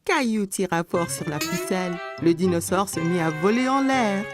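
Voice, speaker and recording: A woman narrating a scripted story for young children in a clear storytelling manner. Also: lowish voice, lively intonation, moderate pace, music in the background.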